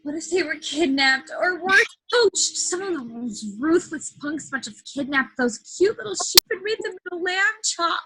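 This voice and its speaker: A woman's voice: very high-pitched, expressive, normal speed, hardly any pauses, pushed and bright, full character voice, rough recording. A woman playing a bubbly but unhinged, weepy children's storyteller with melodramatic sing-song delivery in a comedy sketch. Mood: wailing. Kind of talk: comedy sketch staged reading.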